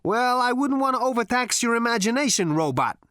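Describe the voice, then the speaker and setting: A man's voice: very high-pitched, animated, fairly quick, a bit bright, clear, resonant tone, no room sound, studio quality, pitched above the performer's own voice. Man doing a sneering cocky space rogue. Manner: sneering, flippant. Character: brash cocky male space adventurer.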